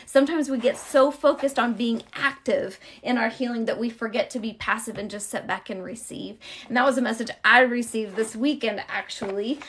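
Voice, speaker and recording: A woman's voice: on the high side, normal speed, hardly any pauses. Chatty woman hosting a card reading. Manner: chatty, addresses viewers directly with y'all; calm, encouraging when giving guidance. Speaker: tarot card reader. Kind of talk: live-streamed card reading and casual chat.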